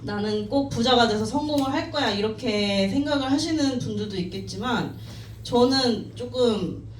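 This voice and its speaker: At a team meeting in a meeting room, a woman in her 30s gives a talk recounting her life story, her voice on the high side and moderately paced. Modest and self-deprecating, she laughs a lot. She sits fairly far from the mic in an echoey room, with a faint hiss in the background.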